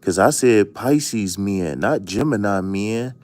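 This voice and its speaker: A man's voice: lowish voice, expressive, takes it slowly, darkish tone, no echo. A man streaming a casual chat as a tarot reader, telling stories with jokes and plenty of profane slang. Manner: joking, storytelling, profane slang.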